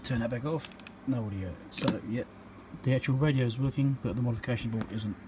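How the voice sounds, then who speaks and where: A man with a mid-range voice talks fast while repairing electronics at a workbench, thinking aloud in short, matter-of-fact fragments. It's casual, unscripted commentary, recorded hand-held in a noisy workshop.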